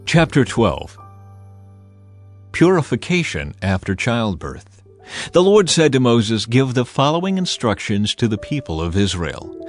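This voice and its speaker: A man reading scripture as a dramatized audiobook, in a solemn, measured, deliberate manner. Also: mid-range voice, sing-song. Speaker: scripture narrator. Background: music.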